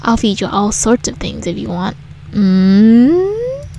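A woman's voice: fairly high pitch, wildly swooping pitch, slow pace, creaky, warm tone, a little hiss or hum, exaggerated voice. A woman voicing a creepy, sly male partridge who works as a school doctor in a visual novel, speaking insinuatingly. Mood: sly, menacing.

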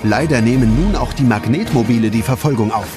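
A man's voice: mid-range voice, fairly quick. A man narrating a children's audio drama in a scripted storytelling style. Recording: loud music behind the voice.

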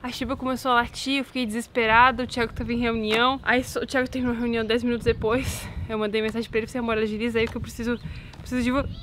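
A woman's voice: on the high side, level tone, rapid-fire, a bit bright, slight background noise. A young pregnant woman chatting outdoors to her viewers in a casual vlog, anxious, repeating words as she talks. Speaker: vlogger. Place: outdoors in a garden.

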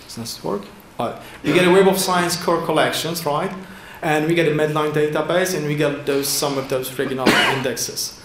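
A man giving a slide talk at a conference from a podium, in halting with frequent fillers and restarts. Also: fairly high pitch, noisy background. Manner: halting non-native English with many fillers and restarts. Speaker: conference presenter. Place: large indoor conference hall. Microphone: lectern microphone at a podium. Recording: echoey hall with faint ambience.

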